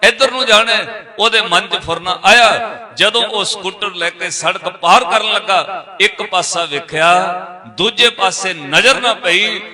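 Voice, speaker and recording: A male preacher telling a story in a sermon, dramatic, swinging between loud and hushed. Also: high-pitched, unhurried.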